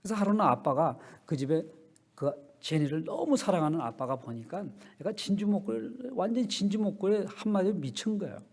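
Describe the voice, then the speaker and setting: A male pastor giving a sermon, telling a story softly and then rising into loud, emphatic appeals. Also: sits high, expressive, a little fast, slightly rough.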